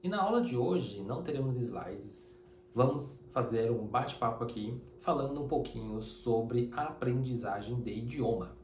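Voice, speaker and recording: A man's voice: mid-range voice, lively intonation, normal speed, reverberant, noisy background. A man from Taiwan whose first language is Mandarin, teaching a casual spoken lesson to camera and often tagging his sentences with checking questions. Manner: conversational, uses many tag questions.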